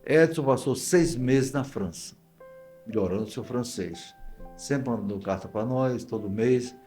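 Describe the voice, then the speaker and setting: An older male pastor with a Northeastern Brazilian accent tells stories in a mid-pitched voice. He repeats himself and voices the dialogue of people in his anecdotes, with music playing behind him. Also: measured pace, a little mellow. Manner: anecdotal, acts out quoted dialogue, repeats phrases. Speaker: guest pastor. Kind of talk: conversational storytelling interview.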